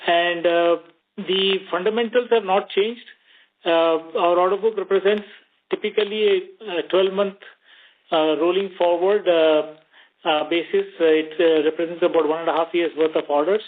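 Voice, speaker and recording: Indian executive on a tinny phone line. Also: male voice, a little high. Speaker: company executive. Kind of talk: earnings call remarks and answers. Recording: tinny narrow phone line, faint noise.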